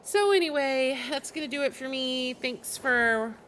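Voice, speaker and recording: A woman's voice: high voice, lively intonation, a little slow, fairly bright tone, slight background noise. A woman live-streaming a video game, chatting informally and thinking aloud in a rambling way. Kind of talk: casual chat while streaming a game. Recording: music behind the voice. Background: video game music.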